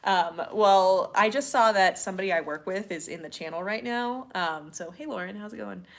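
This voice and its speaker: A woman's voice: medium pitch, moderate pace, vocal fry. A woman co-hosting a casual, slightly tipsy question-and-answer stream, chatty and playful with lots of fillers. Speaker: podcast co-host answering listener questions.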